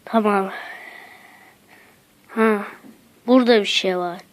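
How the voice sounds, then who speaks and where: A woman's voice: mid-range voice, takes it slowly. A woman giving let's play commentary as she explores a game map, exclaiming, muttering to herself and using slang. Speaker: gaming channel host.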